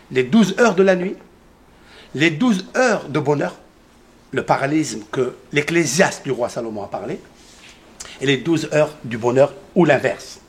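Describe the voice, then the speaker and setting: A man giving a Torah lesson in a synagogue, firing questions at his listeners, answering them himself and repeating key numbers emphatically. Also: a little high. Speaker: rabbi teaching a Torah class. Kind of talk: lively Torah lesson to a congregation.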